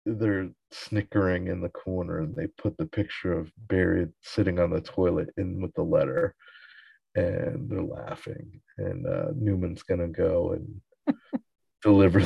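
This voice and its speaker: A man's voice: deep voice, steady tone, measured pace, vocal fry, husky, dry recording, highs cut off. A man casually recapping a sitcom episode in a loose, chuckling way with lots of fillers.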